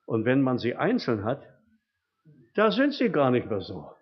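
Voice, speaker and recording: An older man delivers a sermon in an easygoing, storytelling manner, his voice sitting at an ordinary middle pitch. He keeps checking in with listeners through little rhetorical questions. The recording is dull and muffled, lacking top end. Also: huge pitch swings, a little slow, slightly rough. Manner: folksy storytelling with frequent rhetorical tag questions. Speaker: lay preacher.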